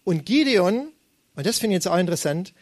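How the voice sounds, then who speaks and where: A man's voice: sits high, expressive, fairly quick. A young man preaching a sermon, talking conversationally and acting out quoted voices with animation.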